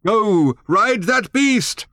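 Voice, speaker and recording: A man voicing an old male tribal elder who shouts in slow, drawn-out bursts, stubborn and insistent. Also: sits high, expressive, clear, resonant tone, no echo, clean studio sound, voice pushed up. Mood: rousing. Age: older.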